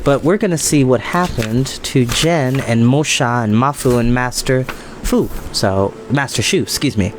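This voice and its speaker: A man's voice: mid-range voice, measured pace, over music. A man hosting a storytime, moving between casual, rambling chat and reading a story aloud. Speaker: host and storybook reader.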